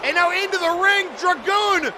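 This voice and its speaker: A man giving live wrestling play-by-play, shouting excitedly and exclaiming at the action and the referee. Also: very high-pitched, normal speed. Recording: noisy event audio with loud crowd. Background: crowd noise and slamming thuds.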